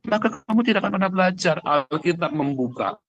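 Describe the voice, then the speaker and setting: A man's voice: high voice, lively intonation, fast, fairly bright tone, dry recording, muffled recording. A man preaching in a conversational, blunt and emphatic way, addressing listeners directly and asking rhetorical questions. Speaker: preacher, pastor. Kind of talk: conversational livestream sermon.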